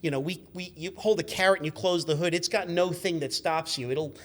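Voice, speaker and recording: A man in his fifties chatting casually as a guest, telling animated, rambling, sweary anecdotes as a car journalist. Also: a little high, fairly quick. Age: 50s.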